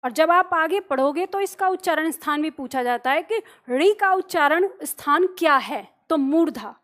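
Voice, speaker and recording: A woman's voice: high-pitched, lively intonation, normal speed, a bit bright. A woman teacher patiently explaining a lesson to her students, often checking that they follow along. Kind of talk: classroom lesson.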